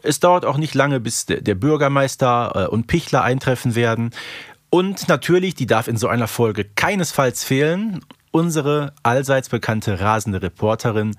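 A man's voice: mid-range voice, expressive, moderate pace, no room sound, studio quality. A man co-hosting a casual podcast about an audio drama, explaining and tagging on little questions. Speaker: podcast co-host.

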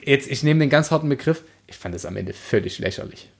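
Man, podcast co-host, medium pitch, emphatic, exasperated, colloquial, casual book critique. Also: animated, fast, gravelly.

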